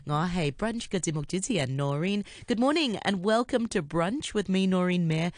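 A woman's voice: fairly low pitch, expressive, moderate pace, a little mellow, no room sound. A woman radio host from Hong Kong chatting casually on air, laughing often and poking fun at herself. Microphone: studio microphone.

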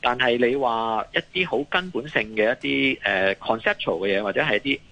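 A man's voice: mid-range voice, a little fast, sharp tone. A man with a Hong Kong accent giving live market commentary as a guest analyst, hesitating, repeating phrases and mixing in English terms.

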